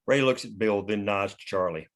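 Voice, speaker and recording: A man with a fairly low voice reads scene headings and action lines. His scripted narration is matter-of-fact, as at a screenplay table read. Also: moderate pace. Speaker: stage-direction narrator.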